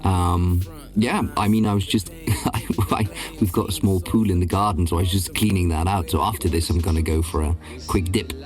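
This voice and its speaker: Guest: man from Belgium, lowish voice, loose chatty delivery full of ums, faint music bed. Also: fairly even intonation, moderate pace, darkish tone. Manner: rambling, many ums and restarts. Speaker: guest, voice-over and casting director. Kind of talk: casual interview talk.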